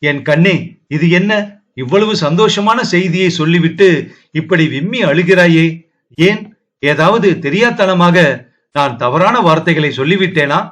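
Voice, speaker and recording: A young nobleman speaks tenderly but firmly to his beloved, read by a man narrating an audio novel. His voice sits fairly high and steady. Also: unhurried. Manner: firm, tender.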